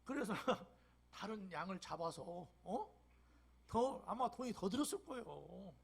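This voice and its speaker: An older man in his sixties with a Jeolla dialect, preaching a sermon as a pastor in church, with emphatic bursts and soft whispered drops. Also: sits high, expressive, unhurried, creaky, slightly rough. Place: church sanctuary.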